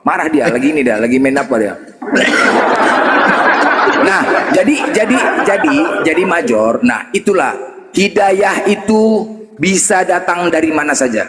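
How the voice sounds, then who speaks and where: A man's voice: a little high, expressive, measured pace, pauses often, background noise. A man telling a story in a debate chat, teasing, laughing and mimicking the people he quotes. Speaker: Muslim apologist debater. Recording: echoey room with long reverb.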